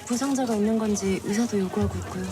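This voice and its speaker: A woman's voice: mid-range voice, fast talker, natural voice. An actress playing an earnest young policewoman in a crime drama, reporting in a polite, businesslike way. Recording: loud dramatic music behind.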